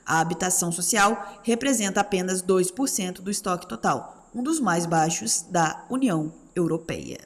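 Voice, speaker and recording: A woman's voice: fairly low pitch, lively intonation, normal speed, hardly any pauses, big-room sound. A woman with a Brazilian Portuguese accent hosting a news podcast, reading reports aloud with casual asides.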